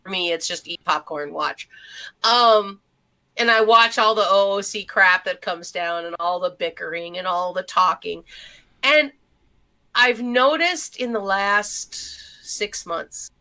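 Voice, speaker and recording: A woman's voice: mid-range voice, unhurried, sharp tone. A middle-aged woman co-hosting a casual podcast, speaking bluntly and with exasperation. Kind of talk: casual panel chat.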